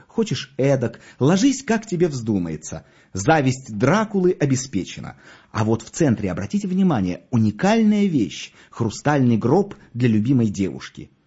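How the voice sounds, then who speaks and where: A man voicing a smooth-talking middle-aged undertaker who gushes over his wares. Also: mid-range voice, a little mellow, dull audio. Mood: boastful. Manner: salesman's patter, swooping with enthusiasm. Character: oily, gushing middle-aged male undertaker.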